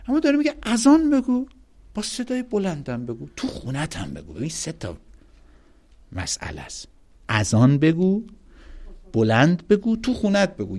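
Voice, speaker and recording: A man giving a religious lecture, emphatic and animated, reciting Arabic quotations and explaining them to his audience. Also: medium pitch. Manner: animated, emphatic, rises sharply on key points.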